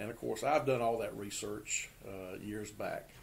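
Speaking in an eastern North Carolina accent with a fairly low pitch and vocal fry, a man shows ordinary pitch variation over light background noise. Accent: eastern North Carolina Southern. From eastern North Carolina, Goldsboro. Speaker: oral history interviewee; interviewee. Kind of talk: interview. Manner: hesitant with frequent fillers.

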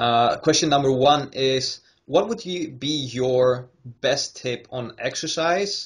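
With a quiet background, a man speaks very slowly in a fairly high, somewhat breathy voice with ordinary pitch variation. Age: 30s. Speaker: fitness podcast host. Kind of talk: interview. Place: home room. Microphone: webcam.

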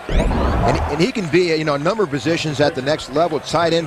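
A man with an American accent talks at a very fast pace in a fairly high pitch, with ordinary pitch variation and noticeable background noise. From US South. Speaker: color commentator. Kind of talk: live commentary. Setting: broadcast booth at stadium.

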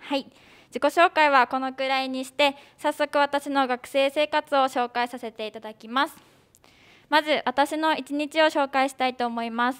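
Against a quiet background, a woman with a high pitch speaks at a moderate pace, her intonation fairly even and her loudness swinging widely. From Japan, Yamagata city; Yamagata, Japan. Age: 20s. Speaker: university student; presenter. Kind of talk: presentation. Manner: formal. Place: classroom. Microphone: handheld.

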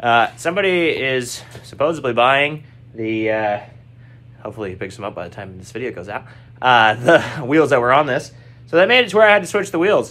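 A bright, sharp tone marks this man's speech. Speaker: vehicle build vlogger. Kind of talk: casual vlog chat. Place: garage. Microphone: phone near.

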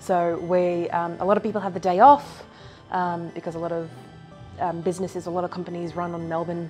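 Faint music plays in the background as a woman with a fairly low voice speaks at a moderate pace. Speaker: small business video coach. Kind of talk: casual vlog chat. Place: street. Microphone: phone near.

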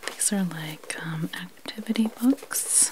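The speaker is soft-spoken and goes at a very slow pace. Noticeable background noise can be heard. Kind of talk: casual vlog chat. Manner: soft, hushed ASMR speaking voice. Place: home room.

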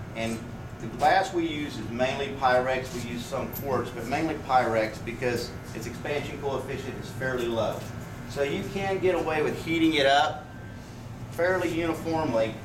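Noticeable background noise sits under a man's voice. He talks at a moderate pace with ordinary pitch variation. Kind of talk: informal explanatory talk to a tour group. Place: workshop. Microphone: camera far.

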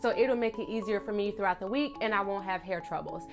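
A woman talking at a very fast pace with clear music in the background. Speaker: vlogger. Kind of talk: casual vlog chat. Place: home room. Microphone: lapel.

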